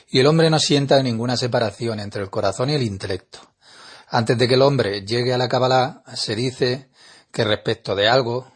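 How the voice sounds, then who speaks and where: A man teaching a spiritual lesson in an earnest, measured lecturing manner. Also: mid-range voice, husky. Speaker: Kabbalah teacher.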